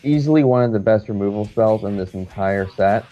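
Enthusiastic low-voiced male co-host. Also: brisk, dull audio, soft background music. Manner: enthusiastic, opinionated card analysis. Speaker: podcast co-host. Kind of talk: casual chat.

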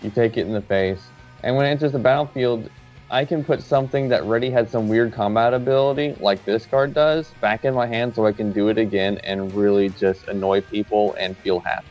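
A man with a low voice breaks down game cards on a casual podcast. His takes are confident and enthusiastic, and faint music plays under the conversation. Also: steady tone, fairly quick, darkish tone, dull audio. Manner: enthusiastic, opinionated card analysis. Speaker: podcast co-host. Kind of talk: casual chat.

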